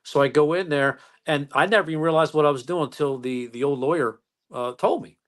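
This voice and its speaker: A man who is a police officer, telling stories calmly in a casual interview, with many fillers and restarts. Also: on the high side, a little fast.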